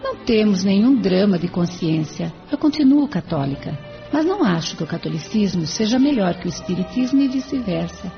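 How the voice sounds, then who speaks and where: Woman doing a calm church spirit, gravelly edge, dull audiobook sound, faint music. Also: medium pitch, brisk, few pauses. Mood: serene. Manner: explanatory, composed.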